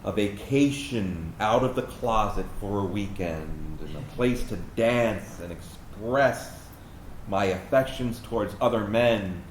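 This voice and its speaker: Gay male veteran, played by a man, lowish voice, fond reminiscence, staged monologue, roomy sound. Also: slow pace. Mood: wistful, elated. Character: gay male veteran fondly recalling newfound freedom. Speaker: actor in a staged reading. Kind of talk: dramatic monologue reading. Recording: roomy, noisy live stage recording.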